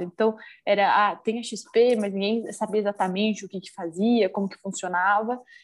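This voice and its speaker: A woman with an inland São Paulo accent speaks at a fairly high pitch with ordinary pitch variation. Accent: Brazilian inland São Paulo. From Mato Grosso do Sul, raised in interior São Paulo. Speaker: economist, investor relations professional. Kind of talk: podcast interview. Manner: animated.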